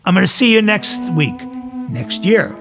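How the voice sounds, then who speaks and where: A man's voice: sits high, sing-song, unhurried, creaky, music in the background. A man in his sixties, a priest hosting a religious program, gives a conversational sermon through earnest, informal personal storytelling.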